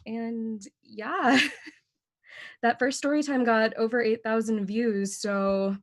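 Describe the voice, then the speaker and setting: A woman's voice: fairly high pitch, fairly even intonation, takes it slowly. A young woman on a video call, giving a friendly, casual update as library staff, with frequent fillers and small laughs. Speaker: library staff running bilingual story time.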